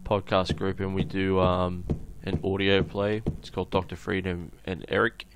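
A man with an Australian accent giving casual, halting gameplay commentary that trails off into asides, on a noisy home recording. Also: deep voice, flat delivery. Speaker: gamer recording a let's play.

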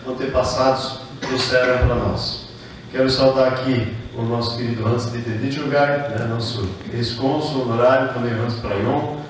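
A middle-aged man delivers a formal speech at a podium, earnest and unhurried, greeting each guest by name. His German-speaking upbringing sits behind his words. The sound is a very echoey hall with the voice picked up from a distance and a faint hiss underneath. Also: medium pitch. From southern Brazil. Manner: earnest, greets dignitaries one by one, with fillers. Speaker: mayor. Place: large reverberant hall, indoors. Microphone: podium microphone heard from a distance.

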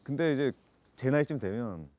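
A man's voice: mid-range voice, lively intonation, moderate pace, a little mellow. A man in his forties chatting casually and politely as a dating show contestant. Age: 40s. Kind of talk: casual chat.

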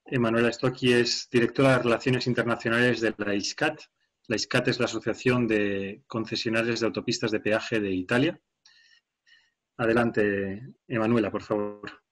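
A man's voice: mid-range voice, flat delivery, moderate pace. A man moderating a webinar, courteously introducing speakers.

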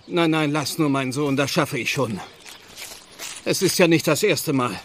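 A man's voice: a little high, measured pace, a little hiss or hum, close to an everyday voice. An actor playing a pious, reproachful village clergyman and long-suffering brother in a German radio play. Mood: kindly. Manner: earnest, admonishing.

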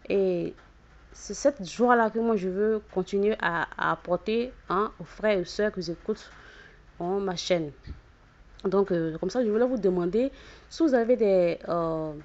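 A woman with a West African accent in French, casually addressing her channel's viewers in a halting, repetitive way with frequent false starts. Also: medium pitch, darkish tone. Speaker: YouTube channel host. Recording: dull lo-fi voice recording.

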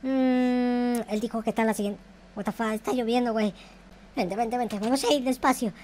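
An excitable, bossy, slangy gamer bantering through a Minecraft roleplay. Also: medium pitch, moderate pace, slight background noise. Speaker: gaming video host. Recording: music under the voice. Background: music.

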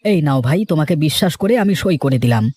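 A man's voice: a little high, animated, a little fast, dark tone. Man acting a plaintive poor village farmer. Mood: trusting, grateful. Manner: plaintive, pleading. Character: poor, trusting male village farmer, sorrowful and meek. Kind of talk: dramatic cartoon voice acting.

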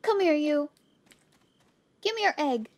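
A woman's voice: sits high, animated, a little slow, no room sound. A woman doing casual, playful live gameplay commentary, chatting with her viewers as she plays. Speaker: game streamer.

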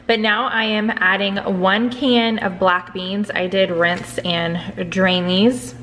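A woman's voice: medium pitch, steady tone, slow, fairly bright tone, a little hiss or hum. Woman in her thirties, home kitchen cook-along, chatty, upbeat, step-by-step, close camera mic. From United States. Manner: chatty and upbeat, walks viewers through each step. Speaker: cooking channel host. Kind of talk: casual cook-along vlog. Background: dishwasher running in the background.

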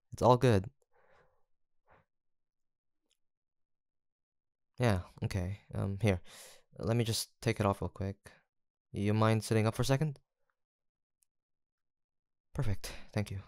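A man playing a gentle, teasing young college roommate in an intimate audio roleplay, with a soft-spoken, hesitant manner. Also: on the low side, a little slow, dry recording, studio quality, natural voice. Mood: caring, playful. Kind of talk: intimate boyfriend-style roleplay acting, one-sided conversation.

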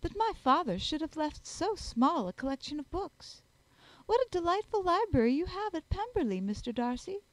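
A woman's voice: very high-pitched, big pitch swings, moderate pace, dry recording, pitched above the performer's own voice, low-quality recording. A woman voicing a haughty, catty young society lady in a storybook, affected, disdainful and emphatic. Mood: gushing.

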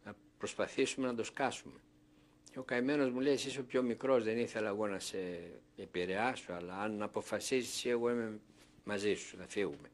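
A man's voice: fairly low pitch, steady tone. An older man from Thessaloniki giving an oral history testimony as an interviewee, telling his story and acting out remembered conversations. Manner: storytelling that acts out remembered dialogue.

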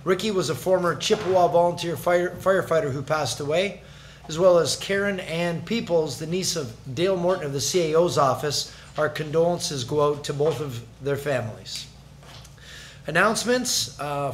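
Middle-aged man, mayor reading announcements, fairly high voice, faint room hum. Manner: brisk, chatty, joking asides. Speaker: mayor chairing a council meeting. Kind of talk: formal council meeting announcements. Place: large council chamber. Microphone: desk microphone.

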